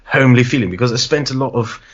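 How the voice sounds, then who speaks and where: A man's voice: medium pitch, fast. Thoughtful man on a muffled line. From Wales. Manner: thoughtful, repeats and lists phrases. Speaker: guest. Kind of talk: casual discussion. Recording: muffled lo-fi audio.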